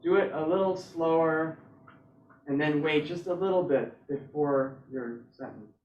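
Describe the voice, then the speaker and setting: A man running a robot chatbot demo, coaching someone in a halting, casual way with frequent laughs. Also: fairly high pitch, a little mellow, slight background noise. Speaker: robot builder demonstrating a chatbot. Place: hall at a club meetup. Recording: roomy, distant, dull.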